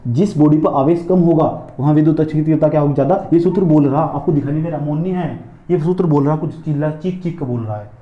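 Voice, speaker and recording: A man's voice: on the high side, fast, hardly any pauses, reverberant, highs cut off. A man teaching physics in a classroom lecture, repeating points and drilling his students with questions and answers.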